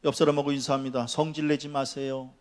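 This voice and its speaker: A man's voice: medium pitch, flat delivery, fast, a little mellow. A man preaching a sermon to his congregation, scolding and joking by turns and sometimes dropping to a near whisper. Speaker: pastor. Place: church sanctuary.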